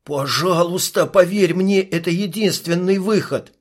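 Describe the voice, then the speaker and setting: A man's voice: sits high, a little slow, pitched above the performer's own voice. A man reading a pleading young scout. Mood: urgent. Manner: terse, pleading. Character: young male scout with foresight, strained and urgent.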